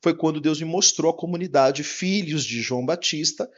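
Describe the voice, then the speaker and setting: A man from Paraná, Brazil, a Catholic speaker in an interview, telling his story in a lively way, acting out the dialogue and laughing often. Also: a little high, normal speed, highs cut off.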